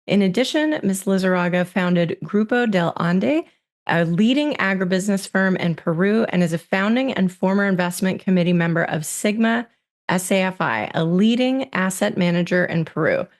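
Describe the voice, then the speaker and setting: A woman hosts a business podcast with an upbeat delivery. Her voice sits at a middle pitch as she reads a scripted intro and guest bio, then moves into the interview. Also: animated, moderate pace. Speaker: podcast host.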